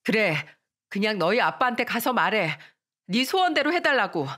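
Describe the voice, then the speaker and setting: A woman voicing a poor young schoolgirl, shrill and pleading, in a radio drama reading. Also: big pitch swings, moderate pace, fairly bright tone. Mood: defiant.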